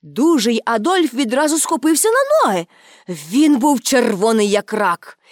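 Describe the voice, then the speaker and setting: A woman narrating a storybook in an expressive reading voice. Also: on the high side, measured pace, no room sound, studio quality.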